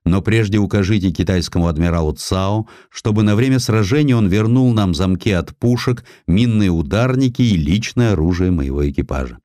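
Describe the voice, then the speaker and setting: A man's voice: sits low, brisk, few pauses, dark tone, dry recording, studio quality, close to an everyday voice. A man playing a proud, defiant Russian destroyer commander, firm and formal, in an audiobook. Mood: formal defiance.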